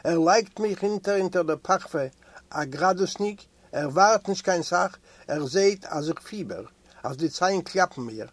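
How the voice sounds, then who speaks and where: Eastern european man reading a memoir aloud, measured pace, voice a bit high, dry close mic. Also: animated, no room sound. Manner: measured first-person storytelling. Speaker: audiobook reader.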